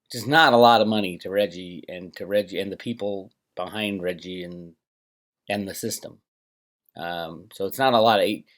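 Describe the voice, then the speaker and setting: A man with a fairly low voice hosts a financial vlog. He speaks conversationally to his viewers, giving opinionated market commentary. His delivery is studded with emphatic asides and rhetorical questions. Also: normal speed, fairly bright tone.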